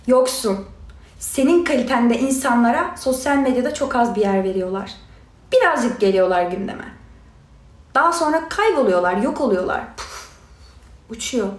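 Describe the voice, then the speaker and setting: A young woman with a high voice, a reality show contestant answering her critics, delivers an angry rant on a phone livestream. Sarcastic and scolding, she addresses her viewers directly while her voice echoes around a bare room.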